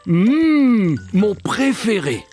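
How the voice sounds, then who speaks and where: Cartoon grandpa, gentle, teasing, patient, lively pitch. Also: male voice, very slow, soft background music, full character voice. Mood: playful. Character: kind, playful grandfather. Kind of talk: cartoon dubbing.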